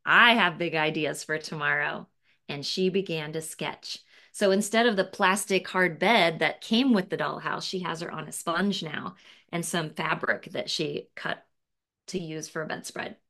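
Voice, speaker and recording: A woman's voice: sits low, moderate pace, pushed and bright. A woman in her forties speaking expressively as an author, reading aloud and explaining casually to children on a video call. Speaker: picture book author presenting. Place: indoor room with bookshelves, on video call.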